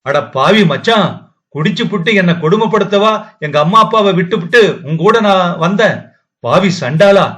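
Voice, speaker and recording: A man's voice: a little high, lively intonation, moderate pace, a bit bright. A man voicing a distraught feverish young wife. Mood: wailing anger. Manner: wailing, sobbing pleas. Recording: dull lo-fi audio.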